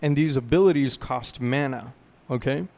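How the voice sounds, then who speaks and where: A man's voice: mid-range voice, normal speed, vocal fry, darkish tone. A young man giving a casual self-improvement talk to camera, loose and rambling, often checking in with "right?" and explaining through gaming comparisons.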